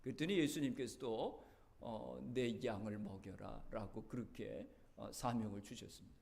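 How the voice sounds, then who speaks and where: A man's voice: on the low side, moderate pace, creaky, a little mellow. A male pastor preaching a sermon in a church, telling the story earnestly, his voice rising and dropping. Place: church sanctuary.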